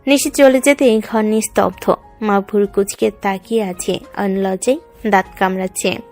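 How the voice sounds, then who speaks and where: A woman narrates a romance story in a dramatic, descriptive style. Her voice sits at a middle pitch. Soft background music plays faintly. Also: fairly even intonation, normal speed.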